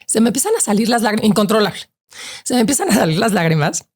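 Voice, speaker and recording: A woman in her forties with a Mexican accent, speaking at a middle pitch. She tells a story as a podcast guest in lively, slangy talk. Her speech is full of fillers and quick asides. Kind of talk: emotional storytelling.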